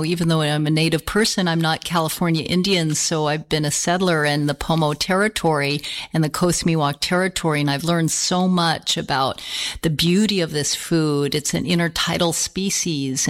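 A woman co-hosting a podcast, talking reflectively and slowly, often restarting her phrases as she searches for words. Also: deep voice. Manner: slow, searching, with repeated restarts. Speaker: podcast co-host. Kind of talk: reflective conversational talk.

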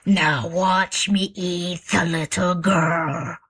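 A woman voicing a hungry male grizzly bear in a storybook reading, speaking slowly and low, half-whispered. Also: fairly even intonation, a bit bright, slightly rough, full character voice. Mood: grumbling.

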